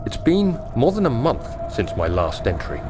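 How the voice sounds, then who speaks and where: A man playing an earnest, troubled young gentleman explorer in a video game, speaking in a formal, introspective way. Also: mid-range voice, huge pitch swings, normal speed, music in the background. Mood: reflective. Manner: formal, literary, introspective delivery. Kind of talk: dramatic video game voice acting, journal narration.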